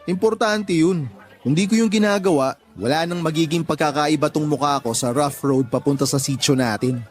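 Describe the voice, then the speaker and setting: A man's voice: a little high, normal speed, soft background music, close to an everyday voice. A man acting a cheeky, vain gay son in a Tagalog radio drama, with campy joking and a Filipino accent. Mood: breezy banter. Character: cheeky, vain gay adult son who jokes he's a young lady.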